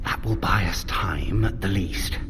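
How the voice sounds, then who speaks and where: A man's voice: low voice, unhurried, a bit bright, faint music behind. A man playing a sly, vain trickster god in an audio drama, theatrical and glib. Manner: theatrical, glib, self-justifying.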